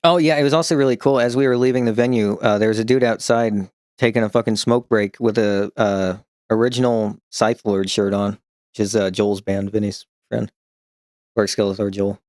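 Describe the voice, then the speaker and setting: A man streaming in a casual chat, telling rambling, profane stories with frequent restarts and chuckling along, who picks up a slight New York twang when he gets excited. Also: on the low side, normal speed, dry recording, clean studio sound. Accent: slight New York-style twang when excited.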